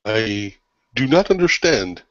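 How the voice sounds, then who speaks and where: A man's voice: on the low side, big pitch swings, slow, dry recording. A man voicing a formal, bewildered male traveler who speaks stiffly and without contractions, on a dry lo-fi recording.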